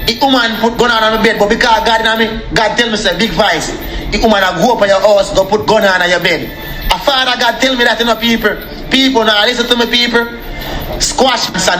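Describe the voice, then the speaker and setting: A man's voice: high-pitched, fairly quick, bright, forceful tone, roomy sound, a little hiss or hum. A young man with a Jamaican accent ranting angrily on a live stream, repeatedly calling out to his viewers. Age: young adult. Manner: repetitive, addresses viewers as people. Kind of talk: angry live-stream rant.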